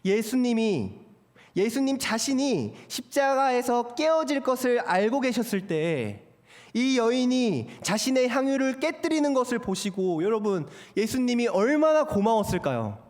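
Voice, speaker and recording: A man's voice: very high voice, big pitch swings, unhurried. A young man, an assistant pastor, preaching an earnest sermon to a church congregation and putting rhetorical questions to them. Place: church sanctuary at a Friday prayer service. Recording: long reverb of a church hall.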